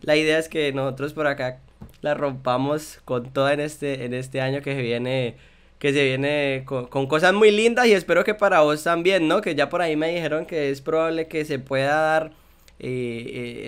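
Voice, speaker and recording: A young man with a Colombian accent runs a relaxed video-call interview from a small room at home, speaking into a headset. His voice sits a little high and sounds smooth and clear. He chats freely and often restarts his phrases. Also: normal speed. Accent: Colombian Spanish. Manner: chatty, repeats words as he searches for them.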